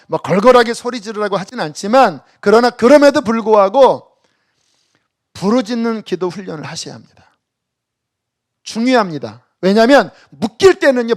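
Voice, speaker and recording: A man pastor preaching a sermon at a church worship service, swinging from loud exhortation to hushed near-whispers and leading the congregation in reading scripture aloud. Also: high voice.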